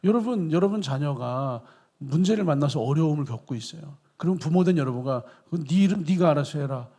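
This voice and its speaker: A man's voice: on the high side, warm tone, slightly rough. A man pastor preaching a sermon in church, earnest and repeating quoted scripture for emphasis.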